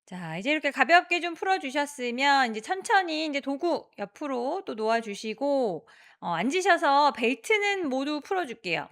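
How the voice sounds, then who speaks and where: A woman exercise instructor guiding a workout, giving encouraging cues and counting reps aloud in a steady rhythm. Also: high-pitched, normal speed, few pauses.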